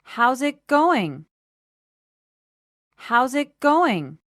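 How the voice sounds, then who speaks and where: Lively woman with standard American accent, acting. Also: mid-range voice, slow pace, no echo, studio quality. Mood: friendly, upbeat. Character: friendly, easygoing young businesswoman meeting an acquaintance. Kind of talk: scripted language-lesson dialogue.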